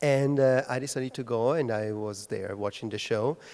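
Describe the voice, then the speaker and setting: A man at a medium pitch and a moderate pace. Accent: Italian. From Italy. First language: Italian. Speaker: ballet master. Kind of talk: post-performance onstage discussion.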